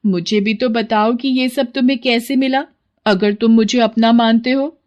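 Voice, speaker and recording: A woman's voice: fairly high pitch, fairly even intonation, moderate pace, darkish tone, dull audio, natural voice. A woman voicing a nosy sister-in-law in a cartoon story, speaking in a sweet, coaxing voice. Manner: sugary, coaxing.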